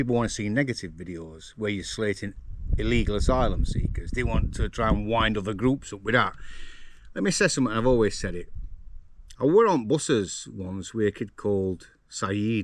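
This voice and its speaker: In a Yorkshire accent, a man speaks at a moderate pace. His fairly low pitch has ordinary variation. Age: 60s. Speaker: vlogger, farmer and former bus worker. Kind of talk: casual monologue vlog. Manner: animated, stumbling over words.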